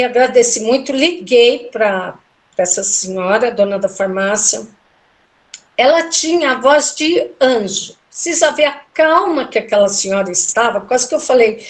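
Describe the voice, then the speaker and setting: A middle-aged woman with a fairly high voice tells a personal story in relaxed conversation. She retells it with feeling and slips into the voices of the people she quotes. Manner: emotional, animated retelling with quoted dialogue. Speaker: guest telling a personal story. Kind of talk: casual storytelling interview.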